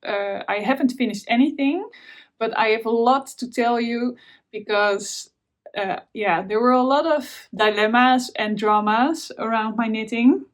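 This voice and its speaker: A Dutch woman from the Netherlands, speaking with a Dutch accent, hosts a knitting vlog and chats casually to camera. Her voice is a little high and measured in pace, and her talk is hesitant, full of fillers and restarts.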